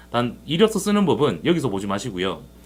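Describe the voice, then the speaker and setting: A man talks at a fairly quick pace with very wide pitch swings. The recording is very clean, the background silent. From South Korea. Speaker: overseas job consultant. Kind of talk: casual Q&A talk. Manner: animated, conversational.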